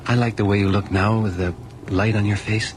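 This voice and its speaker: An actor playing an awkward, lonely young man, earnest and quietly possessive, in a radio drama. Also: lowish voice, steady tone, fairly quick, close to an everyday voice. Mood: shy, earnest. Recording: noisy old radio drama recording.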